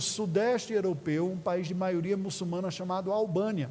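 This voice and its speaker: Noticeable background noise and audible room echo surround a man with a Paraíba accent, who speaks at a high pitch with ordinary pitch variation. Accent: Paraíba (Northeast Brazilian). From Northeast Brazil, Paraíba. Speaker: missionary pastor. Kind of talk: sermon.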